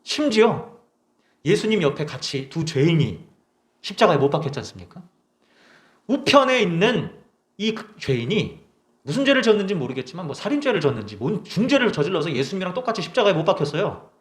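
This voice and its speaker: A man's voice: sits high, very animated, a little fast, roomy sound. A young man preaching a sermon as a pastor, emphatic and full of rhetorical questions. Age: young adult. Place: small church.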